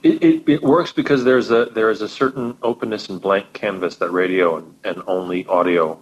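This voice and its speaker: A man with a low voice talks as a guest on a podcast. He explains at length with stammering repeats. His recording sounds dull and lo-fi. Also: steady tone, normal speed. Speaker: guest co-host. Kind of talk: casual chat.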